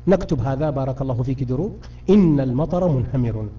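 A man's voice: medium pitch, expressive, quick pace, dark tone. A man teaching Arabic grammar in a live online lesson, patiently quizzing his students and often restarting or repeating words. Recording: muffled distant voice, lo-fi.

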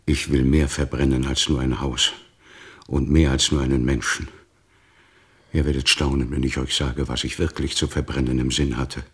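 An actor in a radio play voicing an old Jewish teacher, despairing, bitter and defiant toward God, with a gravelly, husky voice. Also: male voice, rumbling low, level tone, moderate pace. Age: 60s or older.

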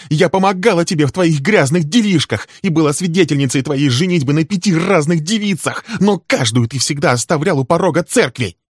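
A man voicing a shrill furious scorned wife. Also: slightly rough, dry recording, studio quality, natural voice. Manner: shrill, accusing, shouting. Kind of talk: dramatic audiobook reading.

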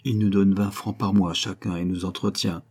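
A man reading aloud voices a calm young gypsy woman who works at a fairground, speaking plainly and earnestly. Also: sits low, moderate pace.

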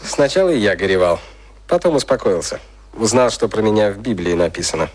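A man's voice: on the low side, lively intonation, fairly quick. A male actor in a radio drama playing a youngish, jovial and sly boss who talks bluntly and mockingly. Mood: brash, confiding.

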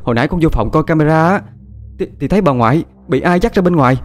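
A man's voice: on the high side, lively intonation, fast, faint music behind, pitched above the performer's own voice, lightly acted. A man voicing a frantic young woman who talks breathlessly and stammers. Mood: panicked.

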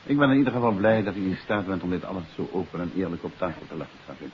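An actor playing a shrewd, composed gentleman detective in a 1950s radio mystery, probing and explaining courteously. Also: low voice, rapid-fire, natural voice. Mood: reassuring. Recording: hissy, dull 1950s radio recording.

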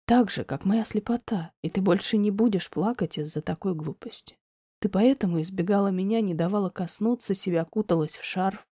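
A young man with a gentle, coaxing voice, dropped well below the reader's own and kept hushed, as a woman reads him in an audiobook. He sounds mellow and close, with a dry, intimate tone. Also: brisk, breathy edge, no echo, close to an everyday voice. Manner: soft, low and coaxing. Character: tender, insistent young man.

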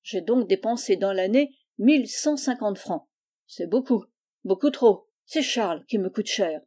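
A miserly, cruel old woman who barks and scolds in a sharp, loud voice, put on by a woman reading a storybook. Her tone stays soft and mellow even while she rages. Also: mid-range voice, a little slow. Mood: fretful scheming. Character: stingy, cruel older woman cousin.

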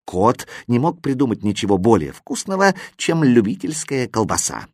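A man giving expressive first-person storybook narration in a dry, close recording. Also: medium pitch, normal speed, no room sound. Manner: lively first-person telling, voicing a boy. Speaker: audiobook narrator.

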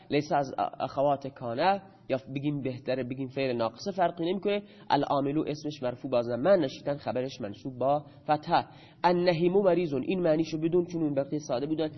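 A man's voice: a little high, lo-fi sound. A man teaching grammar in a lecture, who asks his students questions and then answers them himself.

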